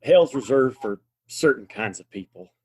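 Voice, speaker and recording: A man playing a gruff, plain-spoken frontier man in a western audio play, with steady, folksy phrasing. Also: medium pitch, moderate pace. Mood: earnest, reassuring.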